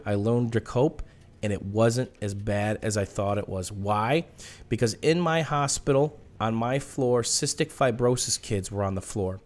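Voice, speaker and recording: Short-winded, raspy man doing game commentary. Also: mid-range voice, a little mellow. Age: adult. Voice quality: raspy smoker's-cough sound. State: short-winded, audible methodical breathing. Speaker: gaming video host. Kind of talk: video game commentary mixed with personal storytelling.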